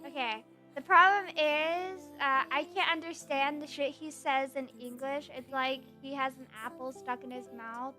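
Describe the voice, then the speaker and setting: Bright, high-voiced playful woman streamer. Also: steady tone, moderate pace. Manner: playful, rambling, teasing. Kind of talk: casual chat reading stream chat. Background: soft background music.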